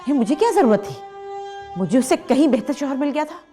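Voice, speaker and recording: A woman's voice: mid-range voice, lively intonation, moderate pace, warm tone, soft background music, close to an everyday voice. An actress playing a desperate, guilt-ridden woman who pleads emotionally, in Pakistani Urdu. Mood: pleading. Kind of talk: TV drama acting.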